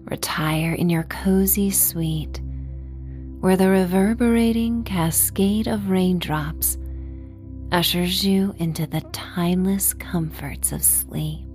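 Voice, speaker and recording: A woman narrating a sleep story and guided meditation softly and gently, with a breathy voice that drifts near a whisper. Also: fairly low pitch, steady tone, soft background music. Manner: slow, gentle, measured. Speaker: podcast host and meditation guide.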